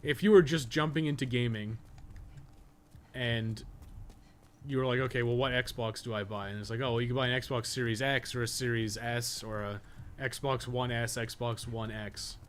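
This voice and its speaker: A man's voice: medium pitch, steady tone, moderate pace. A man chatting casually on a live game stream, rambling and wry, with loose, profane phrasing. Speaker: live streamer, podcast co-host. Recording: game audio noise behind voice.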